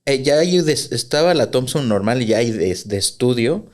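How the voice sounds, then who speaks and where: A man co-hosting a casual podcast, explaining things haltingly with lots of fillers. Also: medium pitch, lively intonation, a little mellow. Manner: hesitant, filler-heavy explaining. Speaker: podcast co-host.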